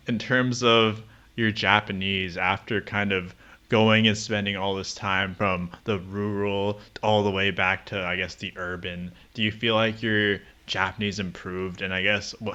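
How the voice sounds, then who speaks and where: A man's voice: on the low side, flat delivery, measured pace, pushed and bright, muffled recording. A man hosting a podcast, asking questions casually with many hedging fillers. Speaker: podcast host.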